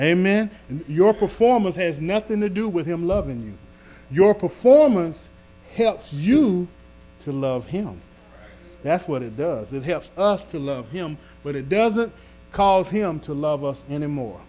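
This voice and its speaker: A man at a fairly slow pace, with long, frequent pauses and big swings in loudness. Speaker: pastor. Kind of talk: sermon. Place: church. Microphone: podium.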